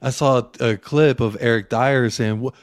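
Male co-host, casual and excitable, talks in slang, close and dry. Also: mid-range voice, normal speed, clean tone, no room sound. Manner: excitable, slangy, acts out quotes. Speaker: podcast co-host. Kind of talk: casual fan chat.

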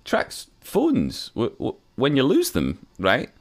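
A man voicing a gentle young Scottish woman in her twenties, a media student, in a read-aloud story. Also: mid-range voice, huge pitch swings, slow pace, voice pushed up, exaggerated voice. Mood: teasing. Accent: Central Belt Scottish.

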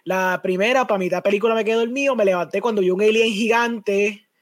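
A man, co-hosting a podcast and chatting in relaxed, reflective Spanglish. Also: high voice, quick pace, dry recording, clean studio sound. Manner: relaxed, reflective, heavily mixing English and Spanish. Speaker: podcast co-host. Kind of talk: casual chat.

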